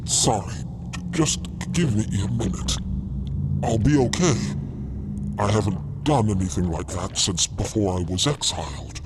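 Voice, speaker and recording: A man playing a gentle, apologetic, exhausted arthropod alien in an audio drama, speaking haltingly and courteously. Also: on the low side, lively intonation, background noise. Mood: weary, reassuring. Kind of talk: audio fiction podcast acting.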